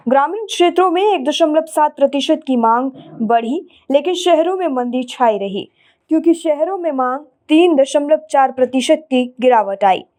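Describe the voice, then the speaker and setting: A woman presenting scripted news in a formal, measured bulletin delivery. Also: fairly high pitch, a little mellow.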